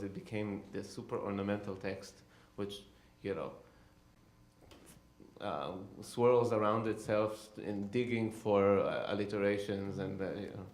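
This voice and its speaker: A man's voice: fairly low pitch, echoey room. A man who grew up in Israel, a director talking with an audience after a show, chatty and full of "you know". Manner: conversational, lots of "you know" and "um". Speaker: director and co-translator. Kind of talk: post-show talkback answers. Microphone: handheld microphone.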